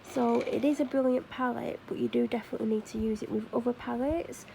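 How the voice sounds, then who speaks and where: A woman's voice: fairly high pitch, fairly even intonation, brisk, creaky, mellow, slight background noise, rough recording. A woman with a Mancunian accent chatting casually to camera while doing her makeup, rambling with fillers and self-corrections. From Manchester, England. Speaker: vlogger.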